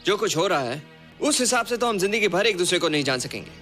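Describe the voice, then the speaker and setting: Jealous young suitor, high, bright, rapid-fire. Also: male voice, sing-song, soft background music. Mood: taunting. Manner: taunting, slips English into speech. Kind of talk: Hindi film dialogue.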